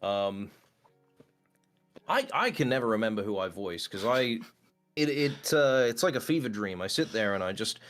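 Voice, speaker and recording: A man's voice: lowish voice, expressive, normal speed, long pauses, a bit bright, soft background music. A man speaking as an interview guest in casual chat, explaining things in a hesitant, rambling way. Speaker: interview guest, voice actor and creator of a parody series.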